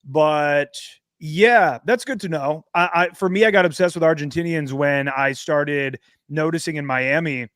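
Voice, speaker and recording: Higher-voiced American man chatting in slang. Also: measured pace, fairly bright tone, no echo, clean studio sound. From United States. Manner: slangy, swearing. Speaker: interview guest, dating coach. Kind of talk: casual chat.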